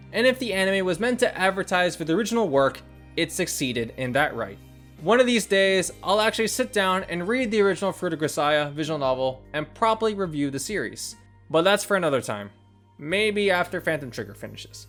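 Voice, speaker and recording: A video host narrating a scripted review in a measured, first-person commentary style. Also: medium pitch, a bit bright. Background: background music.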